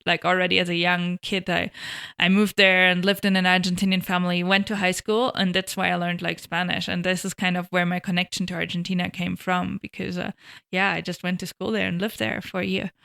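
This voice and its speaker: A young woman speaks as an interview guest. Her voice is bright and smooth, with some gravel at the ends of phrases. She tells her story in a lively way, full of "like" fillers. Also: lowish voice, a little fast. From Switzerland and Germany. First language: German. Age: young adult. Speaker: guest, alpinist and guide. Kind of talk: casual interview chat. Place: hotel room.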